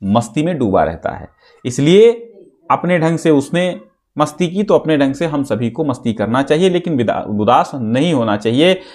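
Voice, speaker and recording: A man teaching an exam-prep lesson, explaining step by step and reciting verse slowly. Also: medium pitch, very animated, a little mellow.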